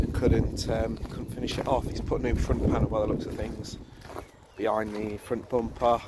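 The sound is dry with no echo as a man talks at a moderate pace over loud background noise. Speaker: van seller. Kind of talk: casual walk-around commentary. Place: open country. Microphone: phone near.

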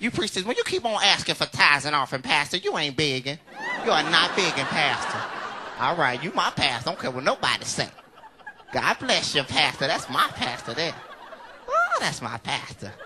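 Against noticeable background noise, a man with fairly high pitch speaks at a moderate pace with very wide pitch swings. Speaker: stand-up comedian. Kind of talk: stand-up. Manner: animated.

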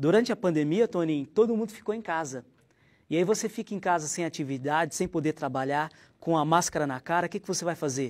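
With a quiet background, a high-pitched man talks at a very fast pace using ordinary pitch variation. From Brazil, São Paulo state interior. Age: 40s. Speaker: actor. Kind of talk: interview. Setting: studio. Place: studio. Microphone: lapel.

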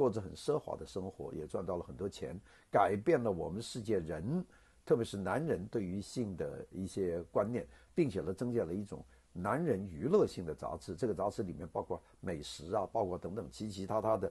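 Against a quiet background, a man with a fairly low pitch and a dark, mellow, somewhat breathy tone speaks at a moderate pace with lively intonation. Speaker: news commentator. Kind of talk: solo news commentary monologue. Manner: halting, frequent filler sounds. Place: home room. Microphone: earbuds.

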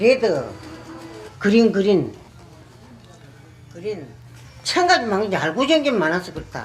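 Over music in the background, the voice moves at a very slow pace with long, frequent pauses and very wide pitch swings. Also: woman, medium pitch for a woman. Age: 80s+. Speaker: self-taught English learner. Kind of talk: TV documentary interview answer.

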